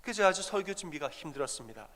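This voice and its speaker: A man preaching from the pulpit with a somewhat high voice, telling a story in a chatty, conversational way and putting questions to the listeners. His voice rings out with a long reverb from the church sanctuary. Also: very animated, racing, a bit bright. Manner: conversational, asks the congregation questions. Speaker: pastor. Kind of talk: storytelling sermon.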